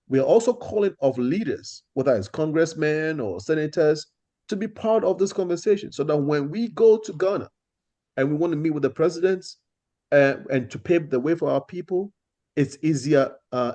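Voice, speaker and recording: A man's voice: fairly high pitch, expressive, moderate pace, warm tone. A man hosting an organization meeting, speaking earnestly and often restarting his sentences. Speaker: host of the meeting.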